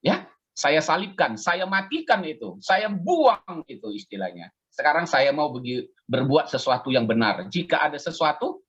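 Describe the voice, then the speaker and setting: Husky man in his fifties preaching. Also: fairly high pitch, sing-song, moderate pace, a bit bright, lo-fi sound. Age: 50s. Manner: conversational, chatty preaching with audience call-and-response. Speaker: pastor. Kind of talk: sermon.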